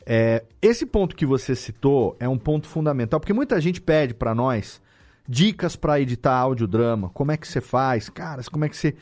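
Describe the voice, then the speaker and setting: A man's voice: mid-range voice, lively intonation, normal speed, darkish tone, soft background music. A man with a Brazilian Portuguese accent hosting a casual podcast, explaining things informally and often repeating words. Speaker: podcast host and audio drama editor.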